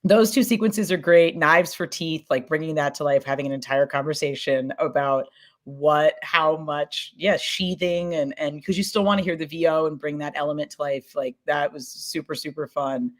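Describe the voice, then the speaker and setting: A woman podcast producer talking casually on a panel in an effusive, excitable, informal way. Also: low voice, normal speed. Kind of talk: casual conference panel talk.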